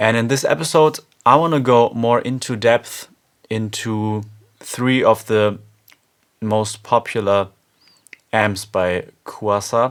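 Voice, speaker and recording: A man with a German accent at a medium pitch, very slow pace and ordinary pitch variation, with long, frequent pauses. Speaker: music producer and content creator. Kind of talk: tutorial. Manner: hesitant, many fillers.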